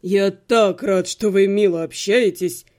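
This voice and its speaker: A woman voicing a smug young blond nobleman who purrs and growls his words slowly. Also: mid-range voice, steady tone, darkish tone, voice pushed down, natural voice. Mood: purring. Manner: purring, slow and threatening.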